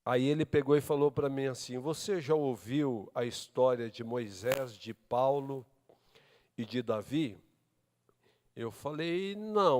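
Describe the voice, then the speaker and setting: A Brazilian man preaching a sermon, telling his own story and acting out the dialogue, swinging between loud and hushed speech. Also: medium pitch, long reverb tail. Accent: Brazilian Portuguese. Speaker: pastor. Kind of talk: testimony sermon. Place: church service.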